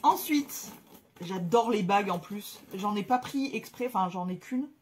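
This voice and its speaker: A woman's voice: mid-range voice, animated, measured pace. A woman vlogger chatting casually to camera about jewelry she is unboxing, gushing in slangy exclamations with many fillers. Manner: frequent hesitation fillers.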